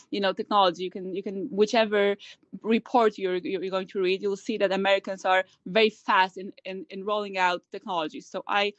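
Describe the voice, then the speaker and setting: Woman, founder, medium pitch, stumbling repeats, dry muffled call audio. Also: no room sound. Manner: fast, repeats words often, many restarts. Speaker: company founder and CEO. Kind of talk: remote interview answers.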